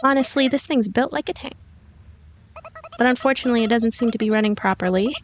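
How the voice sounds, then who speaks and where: A woman's voice: fairly high pitch, fast talker, slight background noise, natural voice. A woman voicing a matter-of-fact, coolly technical young woman driver in a visual novel game, explaining in precise, formal terms. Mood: reluctant explaining. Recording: music behind the voice.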